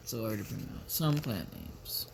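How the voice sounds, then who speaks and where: Male vlogger, 50s, creaky and unhurried, musing aloud in loose, rambling casual chat. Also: on the low side, big pitch swings. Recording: noticeable background noise.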